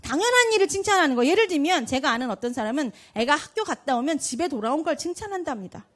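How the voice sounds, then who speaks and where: A woman speaking to an audience about parenting, her voice high and swooping up and down. She asks questions and answers them herself. She slips into quick little voices to play parents and children. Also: animated. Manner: acts out parents' and kids' lines in quick voices. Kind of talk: lively talk to an audience.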